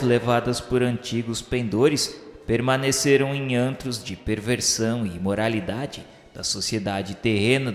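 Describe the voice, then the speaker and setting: A man reads formal literary narration for a radio novel in a solemn, measured, declamatory manner. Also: mid-range voice. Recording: echoey hall reverb, music behind. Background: music.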